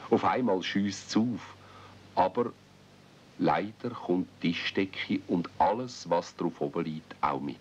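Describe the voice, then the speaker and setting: A man with a Swiss German accent narrating a children's radio play as a storyteller. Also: slow pace. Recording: dull 1970s recording with rumble.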